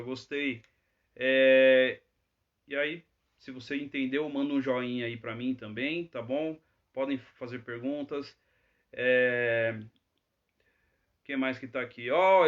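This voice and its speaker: A man's voice: mid-range voice, fairly bright tone, muffled recording. A man teaching English in a live Q&A, chatty and always checking in with tag questions. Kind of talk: live Q&A lesson.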